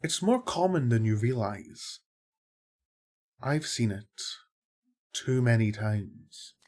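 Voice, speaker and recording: Man as husky, defiant angel advocate. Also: mid-range voice, lively intonation, takes it slowly, darkish tone. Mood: knowing. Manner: challenging, sardonic. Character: defiant, compassionate male archangel advocate. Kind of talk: dramatic audio roleplay acting.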